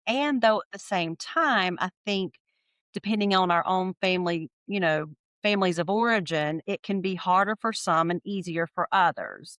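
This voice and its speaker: A middle-aged woman answering interview questions in a thoughtful, warm way, often checking in with "right?". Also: on the low side, no echo, studio quality. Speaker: podcast guest.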